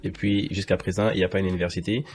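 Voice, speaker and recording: Deep-voiced coach guest, rapid talker, explains and agrees. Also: male voice, little pitch movement, a little mellow. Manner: fast, explanatory, affirming. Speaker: guest, university soccer coach. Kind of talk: casual interview talk.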